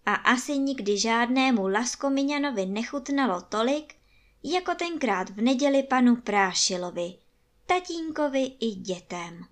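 A woman reading a children's bedtime story aloud, calm and gentle. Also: on the high side.

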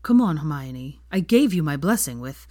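A tired, blunt young man who talks in a low, weary mutter, as a woman reading the story puts him on. His voice sits below the narration. The sound is close and dry. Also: big pitch swings, normal speed, a little mellow, no echo.

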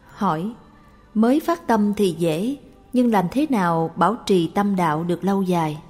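Breathy woman reading Buddhist questions. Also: mid-range voice, moderate pace, a little mellow. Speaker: reader of the questions. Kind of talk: read-aloud Buddhist Q&A. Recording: long reverb with faint background music.

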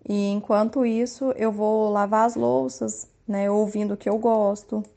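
Soft-spoken Brazilian mother, mellow voice. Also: medium pitch, little pitch movement, creaky. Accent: Brazilian Portuguese. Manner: soft-spoken, unhurried, frequent tag questions. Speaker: mother sharing parenting tips. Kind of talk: calm personal testimony.

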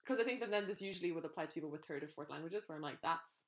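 A young half-French woman co-hosting a podcast, musing in animated casual chat. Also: sits low, racing. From Ireland and France. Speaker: podcast co-host.

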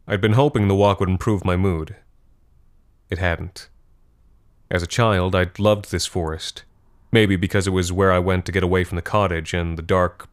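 A man acting as a wry, uneasy narrator of a horror audio drama, with a low-pitched voice. He tells his woodland tale in the first person, measured and conversational, as if confiding in one listener. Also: natural voice.

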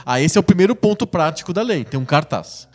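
Lively São Paulo man, sarcastic. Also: on the high side. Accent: São Paulo Portuguese. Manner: animated, sarcastic, talks in quick bursts. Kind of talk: casual discussion.

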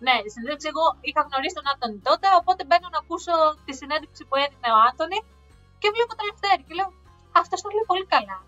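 A high, bright woman's voice tells animated stories and laughs easily in casual podcast chat. The sound is a little dull and lo-fi, with faint music underneath. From Greece. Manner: animated storyteller, laughs often. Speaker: podcast co-host. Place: living in the United States.

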